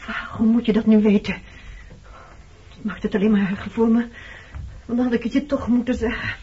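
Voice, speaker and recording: A woman's voice: fairly high pitch, fairly even intonation, fairly quick, slight background noise, close to an everyday voice. An actress playing a hurt, resentful woman accusing her former lover in a Dutch radio play. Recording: muffled old radio recording.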